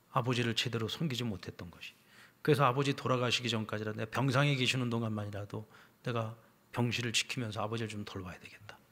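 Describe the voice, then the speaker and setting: A male pastor delivering a sermon, telling a story that swings from loud, emphatic lines down to hushed, whispered ones. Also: medium pitch, in a large hall. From South Korea. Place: church sanctuary.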